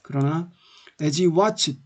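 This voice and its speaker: A man teaching an English novel in a lecture, reading each line slowly and then explaining it at length. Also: fairly high pitch, darkish tone.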